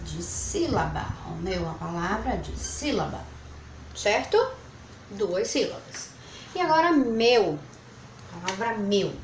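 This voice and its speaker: A woman teaching a recorded review lesson to children, counting syllables slowly and using sweet diminutives. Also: mid-range voice, sing-song. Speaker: primary school teacher. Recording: echoey room, faint background noise.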